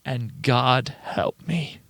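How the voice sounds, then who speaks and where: A man playing a frantic, paranoid old grandfather reading his diary aloud in a theatrical, halting horror radio-play style. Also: mid-range voice, gravelly, a bit bright, no room sound, exaggerated voice. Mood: desperate, frantic. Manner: theatrical, halting, emphatic delivery.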